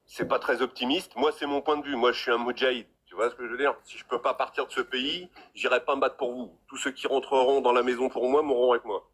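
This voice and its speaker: A man in his fifties talks in a loose, rambling way. He trips over his words and repeats them while getting a point across. His voice sits at an ordinary middle pitch. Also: steady tone, fast talker, hardly any pauses, fairly bright tone, slightly rough. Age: 50s. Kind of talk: casual talk on a live stream.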